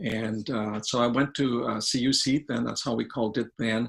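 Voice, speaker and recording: There is vocal fry in this man's medium-pitched voice. His intonation stays fairly even. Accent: Quebec. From Quebec City, Canada. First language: French. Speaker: theology professor. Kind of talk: interview. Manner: halting.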